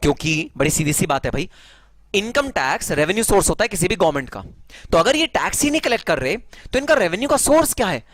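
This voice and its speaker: A man's voice: high voice, big pitch swings, fast, fairly bright tone, no room sound, heavily acted. A man voicing a puzzled young male student who fires off eager, incredulous questions.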